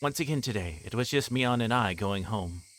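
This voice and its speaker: A man's voice: lowish voice, expressive, moderate pace, fairly bright tone, slight background noise. A man livestreaming a visual novel, reading narration aloud with casual asides, often stumbling and rereading lines. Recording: music playing behind the voice.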